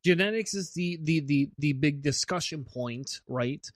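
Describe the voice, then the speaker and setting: A man's voice: fairly high pitch, unhurried, no echo, clean studio sound. A man co-hosting a podcast in casual chat, earnest and often restarting his sentences with repeated words. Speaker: podcast co-host.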